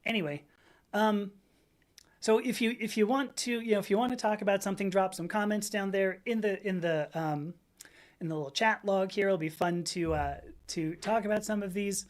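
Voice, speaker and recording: A woman's voice: medium pitch, fairly even intonation, moderate pace. Chatty fifty-something woman streamer. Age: 50s. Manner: rambling, chatty, laughs often, reads out chat comments. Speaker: livestream host. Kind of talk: casual livestream chat.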